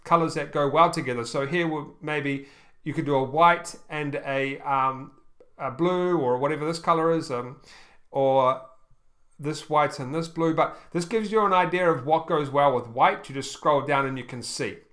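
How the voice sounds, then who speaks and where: A man casually reviews an online store on a screen share, pausing with ums and restarting his thoughts. Regularly checking in with "okay?", he speaks in a somewhat bright voice on the high side.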